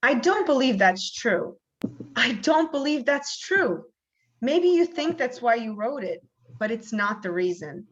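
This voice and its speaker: A woman's voice: fairly high pitch, sing-song, a little slow, fairly bright tone. A woman reading the part of a fervent, plain-spoken common woman in a stage play over a video call. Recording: dull video call audio.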